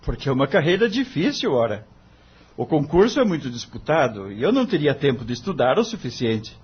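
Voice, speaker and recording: A man's voice: medium pitch, very animated, a little fast, husky, highs cut off. A man playing an earnest, disheartened young lawyer, politely questioning his mentor in a dramatized audiobook. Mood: wistful.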